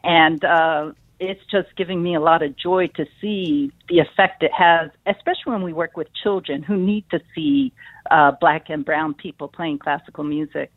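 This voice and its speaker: A woman calling in to a radio show, speaking thoughtfully with pauses and fillers. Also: deep voice, no room sound. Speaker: caller, clarinetist. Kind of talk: call-in talk over phone. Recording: dry tinny phone line.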